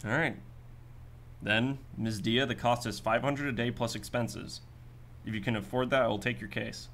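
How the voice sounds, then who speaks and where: A man voices a hard-boiled, skeptical, businesslike detective in a radio drama, asking clipped, matter-of-fact, probing questions. His natural voice is medium-pitched, fairly even, moderately paced and a bit bright, with a little hiss or hum.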